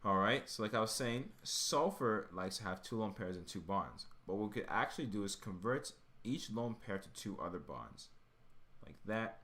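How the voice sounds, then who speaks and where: Here a male chemistry tutor thinks aloud while working, explaining things informally one step at a time. He speaks at a normal speed in a lowish, fairly bright voice with lively intonation.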